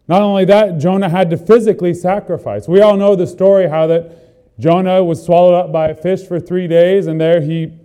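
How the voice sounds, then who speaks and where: A man delivering a sermon in an earnest way, stacking repeated phrases to build emphasis. His voice is fairly high for a man yet very dark and mellow in tone. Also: clear, resonant tone. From not from the country he is preaching in. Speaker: preacher.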